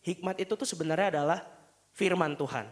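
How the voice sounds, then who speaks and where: Male pastor, higher voice, talking through a face mask with a sore throat, chatty sermon delivery. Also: brisk. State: sore throat, a little unwell. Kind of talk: conversational sermon. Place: church pulpit.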